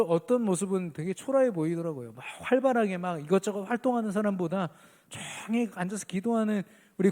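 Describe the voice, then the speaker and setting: A man's voice: high voice, warm tone, long reverb tail. A man preaching an earnest sermon as pastor at a midweek church service, lifting his voice on key phrases.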